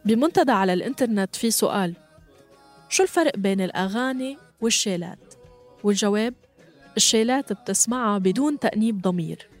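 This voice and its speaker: A woman hosting a podcast, narrating from a script in a calm, explanatory way. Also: mid-range voice, fast, faint music behind. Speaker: podcast host.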